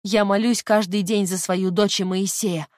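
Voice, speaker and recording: A woman voicing a hypnotized woman who shrieks her childhood hatred in a shrill, childlike voice. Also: a little fast, no echo, clean studio sound, natural voice. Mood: remorseful.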